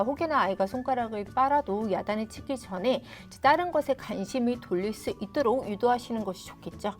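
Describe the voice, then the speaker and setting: A middle-aged woman hosting a parenting channel, explaining advice to viewers in a friendly, direct way, with soft music underneath. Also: fairly high pitch. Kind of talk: advice talk to camera.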